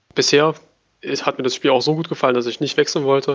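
Fairly quick in pace, a man speaks with fairly even intonation. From Thuringia, Erfurt. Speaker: podcast co-host, tabletop gamer. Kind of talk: casual chat.

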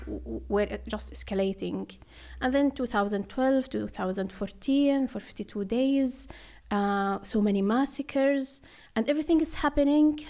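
In a very clean recording with a silent background, a woman with a Palestinian accent talks at a moderate pace. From Gaza, Palestine. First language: Arabic. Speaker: women's rights activist. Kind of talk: panel interview. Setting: studio.

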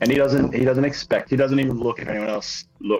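What you hear is a plain read-aloud.

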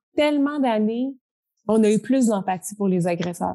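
A woman's dark, mellow tone with ordinary pitch variation, on a very clean recording with a silent background. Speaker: journalist and author. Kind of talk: interview. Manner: halting.

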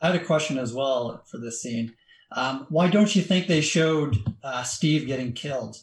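A man speaks with a Canadian accent and a somewhat breathy voice. His pitch varies in an ordinary way over a quiet background. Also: fairly high pitch for a man, moderate pace. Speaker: podcast co-host, guest. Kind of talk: casual chat about a movie.

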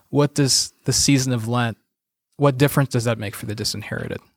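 A man with an American accent and a plain, everyday voice, medium in pitch and fairly even in intonation, at a fairly quick pace, in a very clean recording with a silent background and a dry, close sound with no echo. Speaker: podcast host and university teacher. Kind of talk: live podcast interview; scripted narration. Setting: in person before a live audience.

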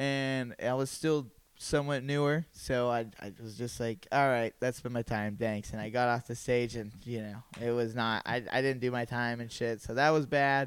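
At a moderate pace, a man with an unremarkable speaking voice talks at medium pitch with fairly even intonation. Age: 20s. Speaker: stand-up comedian. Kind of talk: casual chat.

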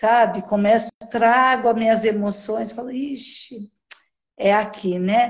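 At a very slow pace, the voice comes across somewhat breathy, with fairly even intonation. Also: woman. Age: 50s. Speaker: teacher, course student giving testimony. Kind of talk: testimony. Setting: video call. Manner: halting. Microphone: phone on video call.

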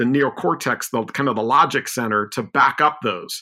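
An ordinary speaking voice, this man uses a medium pitch with ordinary pitch variation and an American accent. The recording is very clean, with a silent background. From US Midwest, Chicago. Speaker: sales executive and author. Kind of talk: podcast interview.

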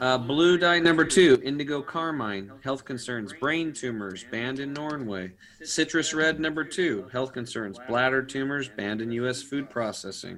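A man with an unremarkable speaking voice talks at medium pitch and a moderate pace, with ordinary pitch variation and hardly any pauses. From Eastern Oregon, US. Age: 40s. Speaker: health coach. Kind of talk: reading aloud a list; casual chat.

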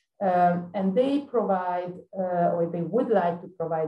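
Somewhat breathy and fairly slow, a woman speaks in a Hungarian accent with ordinary pitch variation. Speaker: lawyer. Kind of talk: webinar presentation. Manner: halting.

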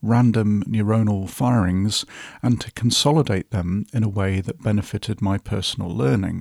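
A man with an English accent talks at a moderate pace in a fairly low voice with ordinary pitch variation, the sound dry and close with no echo on a very clean recording with a silent background. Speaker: podcast host and doctor in urgent care. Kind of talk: scripted reflective monologue.

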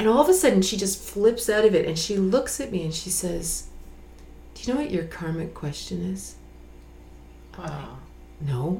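A woman at a moderate pace, with big swings in loudness and long, frequent pauses, amid audible room echo and noticeable background noise. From Canada, Toronto. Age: 50s. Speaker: tantra teacher. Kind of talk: casual chat.

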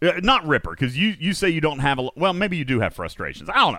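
A man talks at a very fast pace with a bright, sharp tone and vocal fry. His delivery is animated, with very wide pitch swings. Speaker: podcast host. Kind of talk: casual chat.

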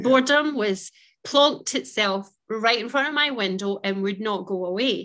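With a Scottish accent, a woman speaks in a fairly high pitch, her bright, sharp tone carried by lively intonation. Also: quiet background. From Scotland, Ayrshire (near Troon). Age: 50s. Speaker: solo travel coach. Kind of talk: casual interview.

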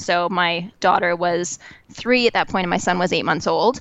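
This woman talks at a fairly quick pace in an unremarkable speaking voice, her pitch medium. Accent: Canadian. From Canada. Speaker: food company co-founder. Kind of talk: interview.

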